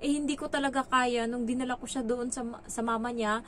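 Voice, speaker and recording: Chatty Filipina vlogger, gossipy. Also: female voice, a little high, steady tone, a little fast, fairly bright tone. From Philippines. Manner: chatty, gossipy, lots of filler words. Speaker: domestic worker abroad. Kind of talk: casual vlog storytelling.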